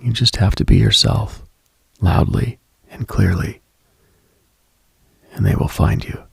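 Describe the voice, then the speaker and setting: A man hosting a late-night radio show in an intimate, contemplative monologue, hushed and unhurried, with a husky, gravelly, breathy voice. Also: on the low side, no echo. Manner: hushed, unhurried, contemplative, addresses listener directly.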